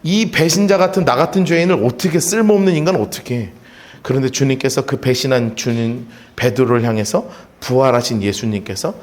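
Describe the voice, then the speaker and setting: A male pastor preaching a sermon in a church. He shifts between loud emphasis and hushed storytelling, and he has the congregation repeat phrases after him. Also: medium pitch. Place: church sanctuary. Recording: echoey church sanctuary.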